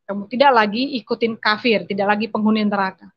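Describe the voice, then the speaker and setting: A woman voicing her own furious father as he shouts harsh insults at his daughter. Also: high voice, fairly even intonation, quick pace, muffled recording. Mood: angry scolding.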